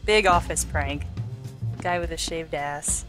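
A woman's voice: deep voice, takes it slowly, over music. A woman hosting a let's play with casual gaming commentary.

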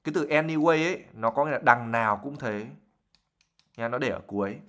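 A man's voice: mid-range voice, brisk, a bit bright. Man explaining vocabulary, patient. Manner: explains words patiently, with many fillers. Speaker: English teacher. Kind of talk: livestream vocabulary lesson.

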